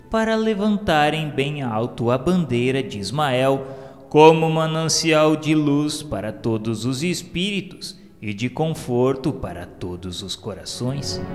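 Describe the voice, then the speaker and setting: A Brazilian man reading a scripted radio narration in a solemn, formal, measured way. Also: medium pitch. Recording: long reverb, music behind the voice. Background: music.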